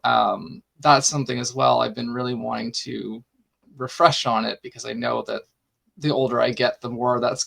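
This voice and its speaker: A man hosts a podcast with a strongly gravelly, fry-heavy voice. He rambles casually through his questions and asides, with many fillers along the way. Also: medium pitch, fairly bright tone. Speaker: podcast host. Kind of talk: casual interview talk.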